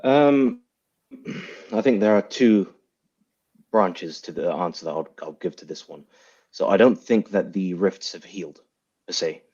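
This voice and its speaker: Deep-voiced man analyst, dull lo-fi sound. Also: unhurried, pauses often, warm tone, husky. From grew up in the West, of Iraqi background. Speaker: guest analyst on a panel. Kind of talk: spoken political analysis in an online panel debate.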